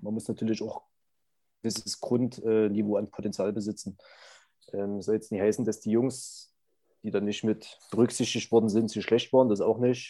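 Against a quiet background, a man speaks at a fairly low pitch with a dark, mellow tone and monotone, flat intonation. His pace is moderate, broken by long, frequent pauses. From Saxony, Germany (near Chemnitz). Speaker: basketball club manager. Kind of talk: casual interview.

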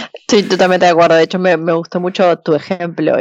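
This is a woman with a normal speaking voice at a medium pitch. She speaks at a fairly quick pace. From Argentina, Buenos Aires. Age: 20s. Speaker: graphic designer. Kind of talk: casual chat.

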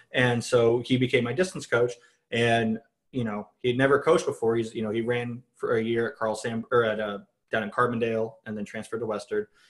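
Fairly quick speech from a man at medium pitch, in a plain, everyday voice with fairly even intonation. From Illinois. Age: 20s. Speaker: podcast host and coach. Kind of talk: interview.

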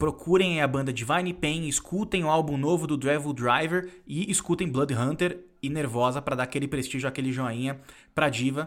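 An ordinary speaking voice, its pitch rising and falling in an ordinary way. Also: man. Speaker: podcast host. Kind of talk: casual chat.

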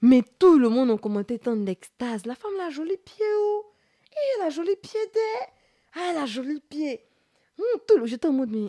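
At a moderate pace, a woman with a high pitch and a dark, mellow tone speaks in very wide pitch swings. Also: dry, close sound with no echo. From Côte d'Ivoire, Yopougon, Abidjan. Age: young. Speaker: podcast co-host. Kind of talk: casual chat.

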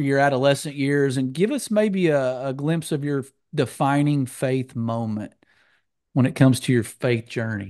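Against a quiet background, a man speaks in a plain, everyday voice at fairly high pitch. He talks at a fairly slow pace with ordinary pitch variation. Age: 50s. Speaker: podcast host. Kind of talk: interview.

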